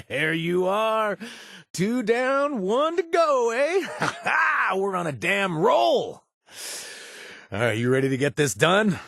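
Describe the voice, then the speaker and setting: An actor voicing an easygoing, money-minded bartender ally in a video game, chatty, with lots of little chuckles and filler words. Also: male voice, high voice, sing-song, slow, creaky, a bit bright, dry recording, clean studio sound, heavily acted. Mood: excited. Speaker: game companion character. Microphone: close studio mic, dry.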